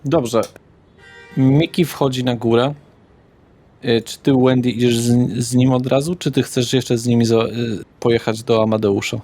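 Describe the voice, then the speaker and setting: Male game master, husky, mid-pitched, narrating tabletop RPG, soft music behind. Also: fairly even intonation, moderate pace.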